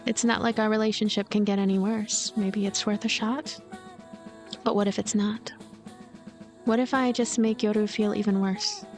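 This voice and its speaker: A woman's voice: medium pitch, fairly even intonation, normal speed, darkish tone, faint music behind, close to an everyday voice. A woman voicing a lonely, anxious young ghost girl who narrates a story game in a hesitant, introspective way. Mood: pensive.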